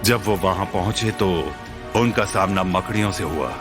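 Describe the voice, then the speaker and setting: A man dubbing a deep, stern middle-aged father. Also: moderate pace, over loud music, lightly acted.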